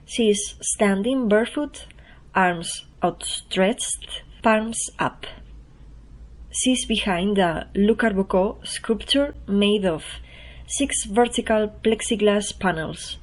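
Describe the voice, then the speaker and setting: In poor audio, a slow-paced woman with a mid-range voice and a Spanish accent reads her own newsletter to open her podcast informally. Originally from Spain and speaking English as a second language, this writer and host is soft-spoken, chatty and self-deprecating, with laughter at her own expense.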